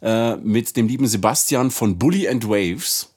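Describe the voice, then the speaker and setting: A man co-hosting a casual podcast, relaxed and a little hesitant, announcing plans to the listeners. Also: lowish voice, a little slow, breathy edge. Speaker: podcast co-host.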